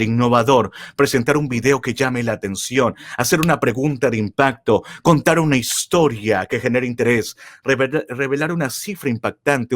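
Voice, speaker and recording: Lively, emphatic male speaking coach. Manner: emphatic, with wide swings of pitch and loudness; asks the audience rhetorical questions. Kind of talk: motivational lecture.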